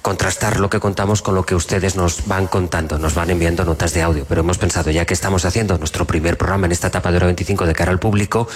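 Fast-talking deep-voiced male radio host. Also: fairly even intonation, husky. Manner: brisk, friendly interviewer. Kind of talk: live radio show before an audience.

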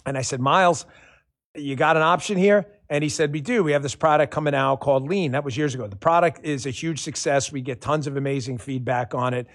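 A man's voice: a little high, brisk, no echo, clean studio sound. A man as a radio host giving a casual, persuasive sponsor endorsement. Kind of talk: conversational sponsor read.

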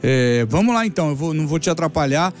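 A man from Brazil hosting a radio quiz, chatting and joking with callers in quick banter. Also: fairly high pitch, very animated, faint music behind. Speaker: radio show host.

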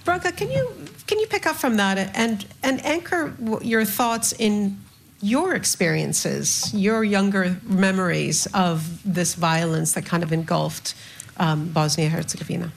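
A woman hosting an interview, asking her guests gentle, searching questions with some restarts. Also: medium pitch, a little slow, gravelly. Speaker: interview host. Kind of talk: moderating an interview.

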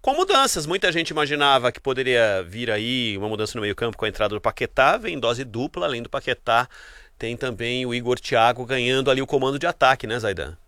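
A man's voice: medium pitch, animated, a little fast, sharp tone, dry recording. A man hosting a radio sports show, upbeat and friendly as he moves the conversation along. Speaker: host.

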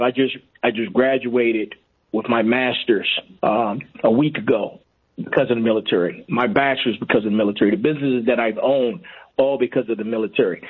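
A man calling in to a radio show, speaking earnestly and repeating himself for emphasis. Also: mid-range voice. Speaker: caller. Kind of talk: call-in radio. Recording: tinny phone line.

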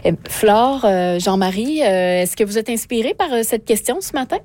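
A woman with a Canadian French accent hosting a live morning radio show, relaxed and conversational, often pausing with fillers. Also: fairly high pitch. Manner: relaxed, conversational, with frequent hesitations.

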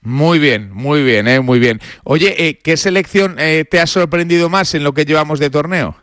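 A man from Spain hosts a sports radio interview, his voice a little higher than most men's. He asks questions in an easy, encouraging tone, and the sound is dry with no room echo. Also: normal speed, fairly bright tone. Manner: friendly, encouraging questions with fillers.

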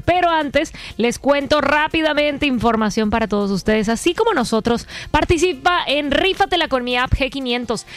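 Chatty high-voiced Mexican radio host woman. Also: a bit bright. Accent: Yucatecan Mexican Spanish, mostly neutral. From Yucatán, Mexico. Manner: chatty, filler-heavy, playful. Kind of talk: casual radio chat.

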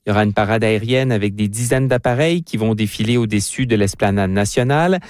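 A man with a Canadian French accent delivering a scripted correspondent's report in a steady, formal manner. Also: on the low side, fast, clean tone, dry recording, studio quality. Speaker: foreign correspondent.

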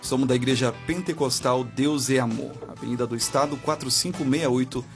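A man's voice: mid-range voice, brisk, creaky. A Brazilian man hosting a live religious radio call-in as a pastor, chatting affectionately with listeners. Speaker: radio host and pastor taking listener calls. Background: music bed.

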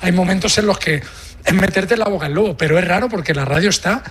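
Higher-voiced Spanish man, radio banter. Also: quick pace, a bit bright, slightly rough. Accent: Spain. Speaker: radio co-host.

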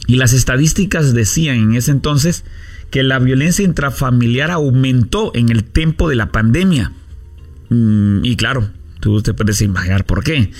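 A man hosts a radio talk show from the station booth. He speaks at a middle pitch, earnest and unhurried, and stops now and then to hesitate or fill a pause. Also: a little mellow. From Guatemala. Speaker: radio host.

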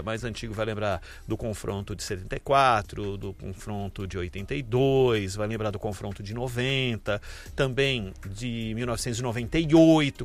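A man hosting a live radio sports program, with a medium-pitched, conversational voice. He chats loosely and calls on his reporters by name. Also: fairly bright tone.

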